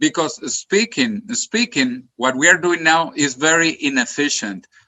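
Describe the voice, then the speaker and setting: A man with a Spanish accent speaks slowly at a fairly high pitch, his intonation lively. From Venezuela. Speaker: futurist. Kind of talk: interview.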